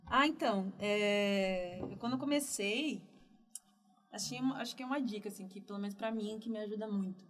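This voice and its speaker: A woman from Northeast Brazil, a developer guest telling her career story in a relaxed, chatty interview. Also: mid-range voice, brisk. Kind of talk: casual podcast interview.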